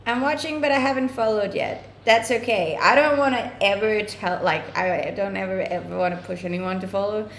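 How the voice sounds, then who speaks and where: A woman's voice: mid-range voice, moderate pace, few pauses, echoey room, a little hiss or hum. A Danish woman with a Danish accent, chatting casually with her livestream viewers while she cooks, laughing often. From Denmark. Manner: chatty, laughs often, reads chat aloud. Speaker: live streamer. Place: home kitchen.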